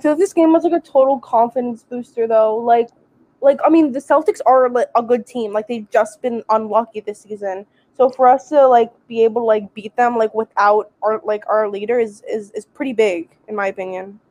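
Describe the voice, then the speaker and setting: A woman's voice: fairly high pitch, fairly even intonation, moderate pace, mellow, no echo. A woman co-hosting a casual sports chat who talks in a chatty way, full of fillers.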